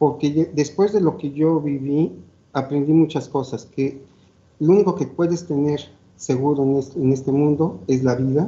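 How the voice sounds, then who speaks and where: A somewhat breathy man with a fairly high pitch talks at a moderate pace. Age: 60s. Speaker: chemical engineer, COVID survivor. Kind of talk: interview. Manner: hesitant, many fillers.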